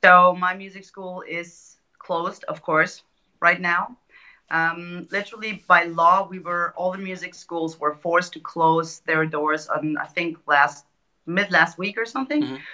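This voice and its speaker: A woman speaks at a fairly slow pace with a fairly low pitch and ordinary pitch variation. Her tone is bright and sharp, her loudness swings widely, and the background is quiet. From Germany. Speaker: rock musician. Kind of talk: casual interview. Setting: video call. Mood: relaxed, thoughtful. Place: home room. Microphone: video call.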